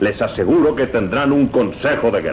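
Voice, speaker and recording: Light background noise sits behind a man's voice. His tone is stern and his intonation lively. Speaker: voice actor. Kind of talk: radio drama acting. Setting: 1980s radio drama recording. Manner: stern, authoritative, interrogating. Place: studio. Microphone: old recording.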